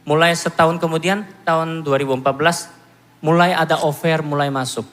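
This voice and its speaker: A man in his thirties from Korea, giving a self-mocking, animated church testimony. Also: on the high side, fairly quick. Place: church hall. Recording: long hall reverb with music behind.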